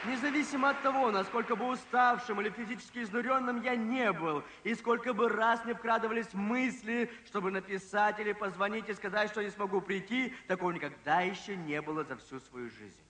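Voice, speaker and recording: A man preaching a sermon, telling a story with emphasis, slowing down and dropping low at dramatic moments. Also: sharp tone. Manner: emphatic, slows and drops pitch for drama. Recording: long reverb from a large hall.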